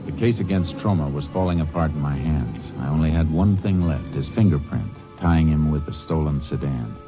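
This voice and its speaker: Very deep, terse lawman. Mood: grim, measured. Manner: terse, commanding, deliberate. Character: stern, dogged Texas Ranger investigating a bank killing. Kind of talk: 1950s western radio drama acting with first-person narration. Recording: dull old radio recording with music.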